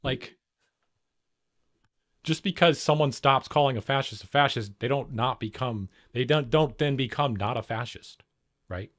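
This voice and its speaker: A man's voice: mid-range voice, measured pace, fairly bright tone. A man hosting a political livestream, arguing in a rambling, casual way and swearing now and then. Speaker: livestream host.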